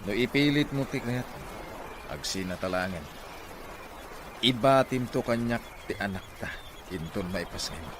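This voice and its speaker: A man's voice: fairly low pitch, animated, moderate pace, pauses often, background noise, natural voice. A man playing a stern, controlling husband with a Filipino accent in an Ilocano audio drama. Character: stern, controlling husband, cold about a stepchild.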